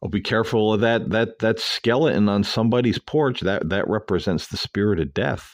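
Fairly quick and with hardly any pauses, a man speaks at a fairly low pitch with vocal fry and lively intonation against a quiet background. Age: 50s. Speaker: podcast host. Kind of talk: solo podcast monologue. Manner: frequent filler words and repetitions.

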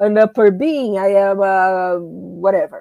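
With a Portuguese accent, a woman speaks at a medium pitch in a dark, mellow tone, the sound dry and close with no echo. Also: very clean recording, silent background. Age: 40s. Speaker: religious studies researcher. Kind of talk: interview conversation.

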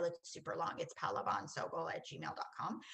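Noticeable background noise sits behind a woman who talks fairly quickly. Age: 40s. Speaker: pediatrician. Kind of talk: interview.

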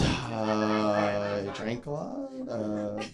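A man with an American accent is heard over noticeable background noise. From Lancaster, Pennsylvania. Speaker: blind date contestant. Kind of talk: casual chat on stage. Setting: live stage with audience.

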